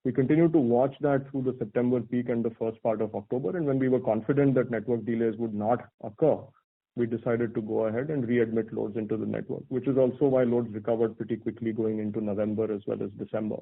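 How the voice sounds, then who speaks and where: Phone-line sound, man, mid-pitched voice, company executive, measured, articulate, corporate earnings call answers. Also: fairly even intonation, creaky. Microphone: phone conference call. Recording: narrow, tinny conference phone line.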